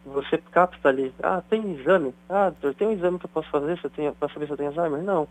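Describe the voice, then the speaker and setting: A man's voice: a little high, quick pace, dry recording, poor audio. A man, a doctor, explaining things in a chatty radio interview. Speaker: neurosurgeon guest.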